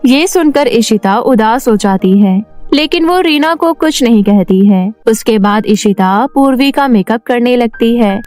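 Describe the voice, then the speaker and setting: A woman narrating a cartoon story in a steady, plain storytelling manner. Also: on the high side, a little slow, few pauses, faint music behind.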